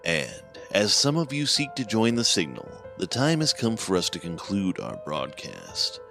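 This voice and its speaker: Man playing a deep, creaky, sinister show host. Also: wildly swooping pitch, normal speed, pushed and bright, faint music behind, heavily acted. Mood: ominous, grandiose. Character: sinister, theatrical male host of a mysterious broadcast. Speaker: host of horror anthology show. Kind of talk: theatrical scripted horror hosting.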